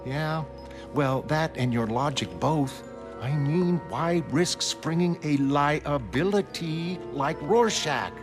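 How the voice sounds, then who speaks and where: Sarcastic young heroine, high and sharp, man plays her, music behind. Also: takes it slowly. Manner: sarcastic, scoffing.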